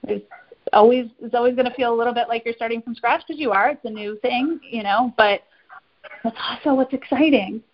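A woman's voice: a little high, a little fast. A woman hosting a podcast, chatting casually and encouragingly, often repeating words for emphasis. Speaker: podcast host. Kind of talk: casual interview chat. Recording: slightly dull lo-fi podcast audio.

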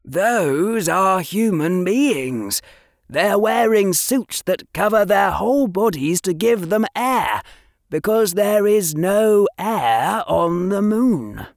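A man's voice: sits high, animated, takes it slowly, no room sound, clean studio sound, voice pushed up, full character voice. A man voicing a precocious, earnest boy who explains science with barely hidden pride. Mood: proud, explaining. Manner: earnest lecturing with proud tremble.

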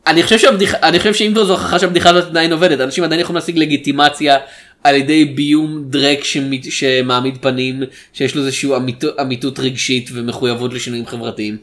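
A man's voice: medium pitch, little pitch movement, fairly bright tone. A man co-hosting a casual film podcast, joking and self-deprecating as he talks. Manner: jokey, self-deprecating, quick asides. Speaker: podcast co-host.

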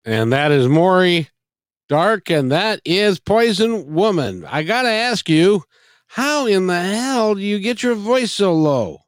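A man's voice: high-pitched, very animated, takes it slowly, dry recording, studio quality. A middle-aged man hosting a casual music interview, effusive and rambling, often repeating his phrases. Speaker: interview host.

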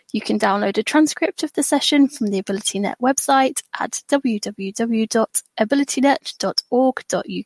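A woman's voice: fairly high pitch, dry recording. An English woman hosting a podcast, reading a scripted intro and then chatting in an upbeat way and laughing often. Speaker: podcast host.

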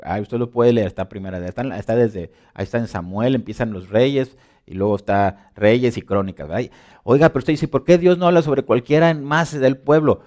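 A man delivering a sermon in a conversational way, leaning on rhetorical questions. He switches between loud emphatic bursts and soft, low asides, and he often restarts his phrases and repeats words. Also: brisk. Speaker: preacher.

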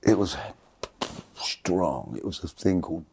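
A middle-aged man, his voice sitting a little low. He tells his story in a loose, rambling way, often stumbling over and repeating words. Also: expressive, a little slow, vocal fry, a little mellow, slight background noise. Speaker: guest. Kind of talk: casual storytelling.

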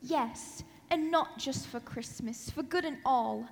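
A woman's voice: high-pitched, slow pace, creaky, a little hiss or hum, heavily acted. A woman playing an eager, loving young girl, a devoted little sister, in a stage radio play. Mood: earnest, joyful.

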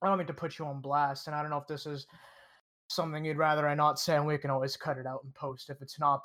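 A tipsy man with a somewhat high voice co-hosts a casual podcast. He teases his friends in a playful way and calls out the next shot as they drink along. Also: a bit bright. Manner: playful, teasing, keeps track of the shots. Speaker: podcast co-host.

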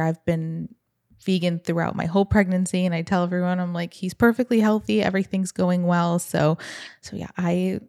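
A woman's voice: lowish voice, darkish tone. A young woman hosting an interview podcast, talking in a casual, chatty and informal way. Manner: chatty, informal, quotes others' remarks. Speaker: podcast host.

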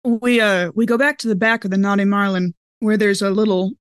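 A woman's voice: mid-range voice, fairly even intonation, fairly quick, clean tone, no room sound, studio quality. A woman playing a tabletop roleplaying game, slipping between casual table talk and improvised character lines in a slangy, playful way.

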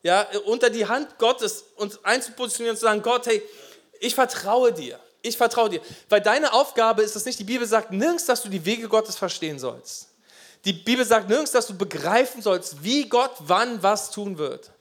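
A pastor delivers a sermon with passion and emphasis, his voice lurching from loud urgency into quiet asides. He speaks at a moderate pace in a high register.

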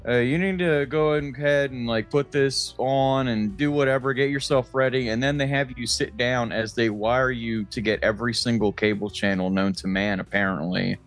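A man's voice: mid-range voice, steady tone, normal speed, few pauses, soft background music. A man co-hosting a casual comedy podcast, talking in a sarcastic, exaggerating, profane manner. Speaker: podcast co-host.

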